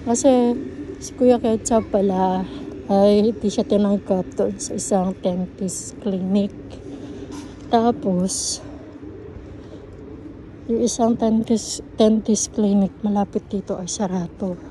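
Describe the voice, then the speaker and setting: A woman's voice: medium pitch, fairly even intonation, takes it slowly, pauses often, noisy background. A woman with a Filipino accent chatting casually for a family vlog, outdoors in a park. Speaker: family vlogger and parent.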